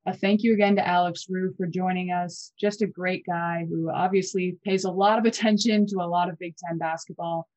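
A woman in her twenties co-hosting a college basketball podcast, chatty and quick with fillers and restarts. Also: fairly low pitch, steady tone, darkish tone, no echo, dull audio. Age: 20s. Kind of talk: casual sports podcast chat.

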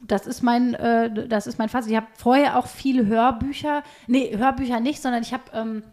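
A woman's voice: a little high, steady tone, normal speed, darkish tone. A woman podcast host talking in a casual, conversational chat.

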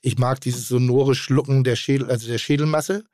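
A man's voice: medium pitch, steady tone, moderate pace, darkish tone, dry recording, studio quality. A man co-hosting a podcast, rambling and self-mocking in casual banter. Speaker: podcast co-host.

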